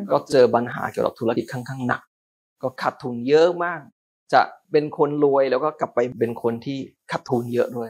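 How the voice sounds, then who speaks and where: A man's medium-pitched voice with a Chinese accent and fairly even intonation. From China. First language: Chinese (speaking Thai). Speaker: e-commerce company CEO. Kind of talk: interview.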